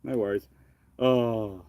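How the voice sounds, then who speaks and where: A man hosting a casual live question-and-answer stream, thinking aloud in a halting, rambling way. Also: on the low side, warm tone, no room sound. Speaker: livestream host, naval historian. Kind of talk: casual live Q&A with off-the-cuff commentary.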